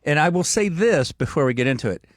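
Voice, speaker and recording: A man's voice: on the high side, expressive, fast, dry recording. A man co-hosting a morning radio show, with dry teasing humor and easy chuckles. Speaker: radio co-host. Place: radio studio. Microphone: studio microphone.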